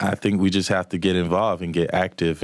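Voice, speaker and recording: Using a monotone, flat intonation, a man with an American accent talks at a moderate pace. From Georgia, US South (Manchester). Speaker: music producer and songwriter. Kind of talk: radio interview.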